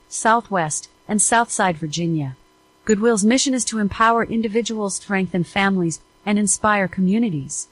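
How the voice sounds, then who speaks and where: A woman's voice: medium pitch, low-quality recording. A woman reading a formal scripted announcement as the announcer. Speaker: announcer reading the sponsor credits.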